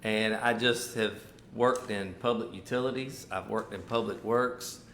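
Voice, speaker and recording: Being interviewed casually, a fifties-aged mayoral candidate from Virginia rambles in a relaxed, loose fashion. He speaks a little slowly in a lowish, fairly bright voice with fairly even intonation, and the recording is roomy and echoey with slight background noise.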